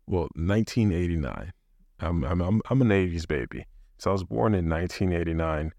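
A man in his thirties hosts a solo podcast, thinking aloud in a loose, rambling way, often restarting his sentences. His voice sits very low, and the recording is close and dry with no room echo. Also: lively intonation, a little fast, a little mellow. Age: 30s. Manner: rambling, many restarts and fillers, laughs to himself. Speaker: podcast host. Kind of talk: casual solo monologue.

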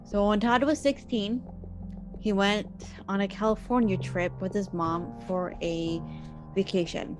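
A woman's voice: mid-range voice, steady tone, a little slow, music in the background. A woman hosting a podcast, telling a story in a casual way and breaking off for chatty personal asides. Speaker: podcast host.

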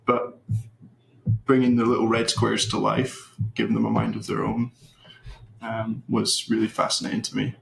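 A young Scottish man, a research engineer, explaining things as an interview guest in a relaxed, thoughtful way with fillers. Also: on the low side, gravelly, slight background noise. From Scotland. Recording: roomy echo.

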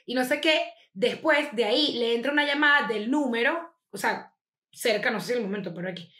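A young Venezuelan woman telling a wild family story in fast, slangy casual chat, acting out the people she quotes. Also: on the high side. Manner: fast, slangy, animated retelling with acted quotes. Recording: echoey room.

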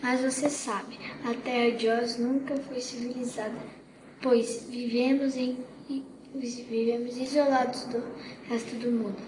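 A woman's voice: a little high, little pitch movement, close to an everyday voice. Woman reading as a kindly old good witch. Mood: gentle. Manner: soft, halting reading with small slips. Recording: echoey room with background noise.

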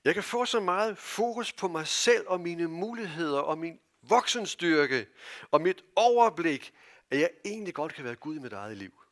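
A man with a Danish accent preaching a sermon in a church, earnest and halting, with many fillers, his voice dropping to near-whispers and rising to loud calls. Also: on the high side, very animated. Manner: earnest, wide swings from loud calls to soft hushed phrases. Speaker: pastor.

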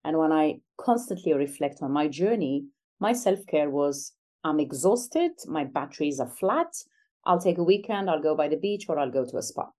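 A woman's voice: low-pitched, very animated, moderate pace, dark tone. A middle-aged woman from Algeria speaking as an interview guest, reflective and conversational, earnest and emphatic about her work as a coach.

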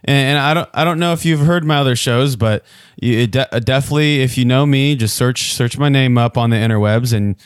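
A man's voice: medium pitch, fairly quick, hardly any pauses, clear, resonant tone, dry recording, clean studio sound. A man co-hosting a comedy podcast, talking in a hesitant, filler-heavy, mock-defensive way. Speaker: podcast co-host. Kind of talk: casual comedic podcast banter.

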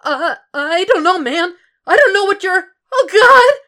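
A woman's voice: lively intonation, a little slow, exaggerated voice. A woman voicing a terrified young male thug, babbling and pleading tearfully for his life in an audiobook-style reading. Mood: panicked. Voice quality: tearful, high, loud whining.

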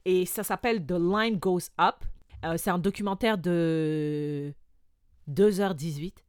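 Low-voiced woman, dry sound. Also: slow pace, clear, resonant tone, no echo. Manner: lively, switches between French and English mid-sentence. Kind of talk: casual chat.

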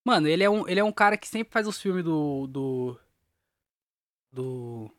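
A man's voice: a little high, expressive, unhurried, fairly bright tone, no room sound, clean studio sound. A young man, hosting his podcast alone and telling a long, rambling story in slangy talk, laughing at himself. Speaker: podcast host. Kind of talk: casual solo podcast storytelling.

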